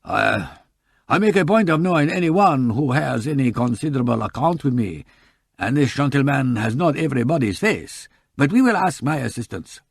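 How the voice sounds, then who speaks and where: A man's voice: mid-range voice, lively intonation, moderate pace, creaky, husky, no echo, voice pushed up. A man voicing a courteous, proud middle-aged jeweller. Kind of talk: audiobook character voice.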